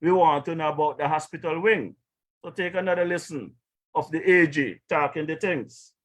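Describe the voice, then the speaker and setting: Man, Caribbean accent, fairly high pitch, emphatic, indignant, live political commentary. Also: normal speed, fairly bright tone. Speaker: talk show host.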